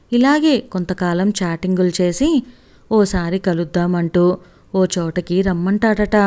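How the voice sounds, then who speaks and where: A woman reading a family story aloud, lifting her voice for anxious questions in the dialogue. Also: dark tone. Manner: lifts pitch sharply for anxious questions in dialogue.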